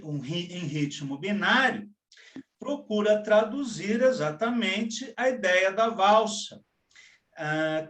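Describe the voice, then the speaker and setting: A man teaching a poetry class online, explaining slowly and deliberately with frequent "né". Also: high voice, a bit bright. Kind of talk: online class lecture with poem readings. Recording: echoey room, mic far off.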